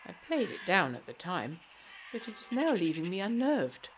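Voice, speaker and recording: A woman's voice: medium pitch, very animated, normal speed, a little hiss or hum, lightly acted, poor audio. An actress playing a genteel, frail young Englishwoman of the 1920s, reading her letter aloud in a formal, earnest, articulate manner for a gothic period audio drama. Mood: uneasy.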